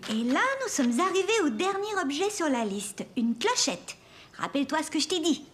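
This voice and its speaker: A woman's voice: high voice, sing-song, normal speed, slight background noise. A woman voicing an encouraging, patient young female babysitter in a children's cartoon dub. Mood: playful, encouraging.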